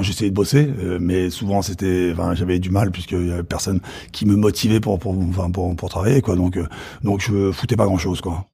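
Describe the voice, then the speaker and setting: A middle-aged man with a Parisian suburban accent, a chef recalling his youth in halting casual talk full of fillers and restarts. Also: sits low, vocal fry, mellow, breathy edge. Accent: Parisian suburban French. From Paris suburbs, France. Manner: hesitant, many fillers and restarts. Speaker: chef interviewed about his career. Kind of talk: casual spoken recollection.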